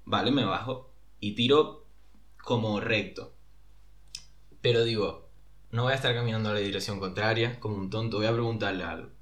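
A man's voice: lowish voice, steady tone, normal speed, pauses often, fairly bright tone, reverberant. A young man with a Canarian accent, co-hosting a podcast and telling a long anecdote in casual, rambling chat full of fillers. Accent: Canarian Spanish. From Canary Islands. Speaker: podcast co-host.

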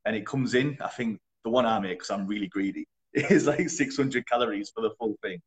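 A young man, a personal trainer, answering in a relaxed, chatty way with blunt wording and frequent laughs. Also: lowish voice, a little fast. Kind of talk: casual interview.

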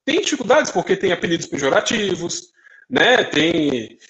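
This high-pitched man speaks at normal speed, and the sound is lo-fi. A young adult from Brazil co-hosting a relaxed podcast, he tells animated stories and voices the people in them through quoted dialogue.

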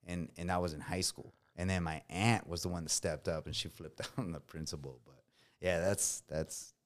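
A man with a slight Latino accent, whose first language is Spanish, talks in a very deep, low register. He tells his stories in a relaxed, slangy way, full of fillers, as a guest in a casual interview. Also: moderate pace. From United States. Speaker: guest, combat veteran.

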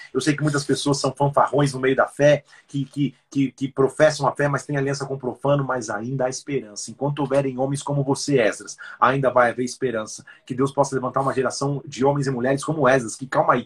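A man's voice: medium pitch, breathy edge. A man with a Brazilian Portuguese accent, a pastor giving a casual, slangy livestreamed Bible commentary and retelling scripture in everyday speech.

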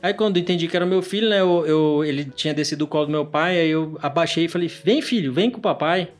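A man tells a personal story in casual podcast chat, his voice sitting a little high for a man. He talks with feeling, acts out the lines of the people in his story, and keeps dropping in casual fillers. Soft guitar music plays quietly behind him. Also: steady tone, fast. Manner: emotional storyteller who peppers speech with "cara" and acts out dialogue.

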